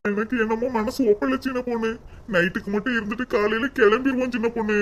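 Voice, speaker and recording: A man's voice: extremely high pitch, fairly even intonation, fast talker. A man playing an ashamed, humble young husband. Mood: worried. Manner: apologetic, hesitant.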